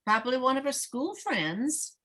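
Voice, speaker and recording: A woman's voice: high voice, very animated, normal speed, pushed and bright, full character voice. A woman playing an anxious, pleading small-town mother in a dramatic table read. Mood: anxious politeness. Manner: pleading, worried.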